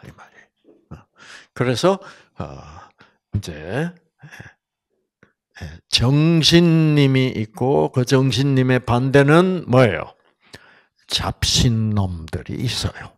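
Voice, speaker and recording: A man with a Gyeongsang accent delivering a health lecture at an unhurried, stretched-out pace. His pitch swings widely through each line, and he sometimes sinks into a near whisper. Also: big pitch swings. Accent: Gyeongsang Korean. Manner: drawn-out, dropping to a whisper at times.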